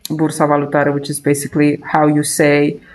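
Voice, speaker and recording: A man's voice: on the high side, completely flat delivery, fairly quick, faint music behind, poor audio. A young man from Romania with a Romanian accent, chatting casually on a live trading stream, thinking aloud with many fillers and restarts. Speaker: day trader streaming live.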